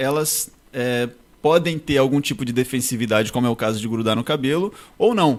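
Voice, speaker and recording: A man talking at a fairly quick pace. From Espírito Santo, Brazil. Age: 40s. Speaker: businessman and stingless bee keeper. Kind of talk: interview. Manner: soft-spoken.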